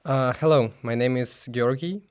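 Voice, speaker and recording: A young man from Ukraine with a Ukrainian accent, answering interview questions haltingly with many fillers and restarts. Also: mid-range voice, clean tone, no echo, clean studio sound. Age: young adult. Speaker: student guest.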